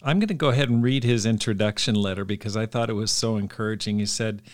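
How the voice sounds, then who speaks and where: A man's voice: fairly low pitch, fast talker. A man hosting a podcast interview in a friendly, easygoing way. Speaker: podcast host. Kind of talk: casual interview.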